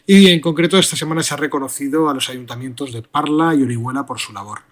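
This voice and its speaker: A man, a guest from a sports organization, giving a steady rundown of a program's contents. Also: medium pitch, quick pace. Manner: steady rundown with some fillers.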